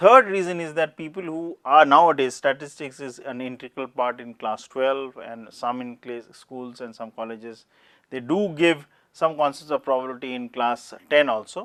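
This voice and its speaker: Speaking at a fairly quick pace, a man with an Indian accent keeps a medium pitch and ordinary pitch variation. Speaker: professor. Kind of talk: lecture. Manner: halting.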